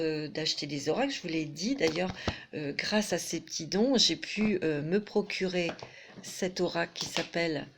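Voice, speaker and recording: A middle-aged woman giving a chatty tarot reading to camera, full of fillers and restarts. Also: on the low side. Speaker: tarot reader.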